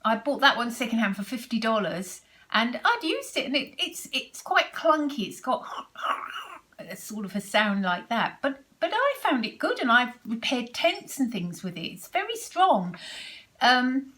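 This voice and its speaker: A woman's voice: on the high side, fairly bright tone. A woman in her sixties from Britain with a British accent, chatting casually to camera about her sewing and rambling through restarts and asides. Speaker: sewing vlogger.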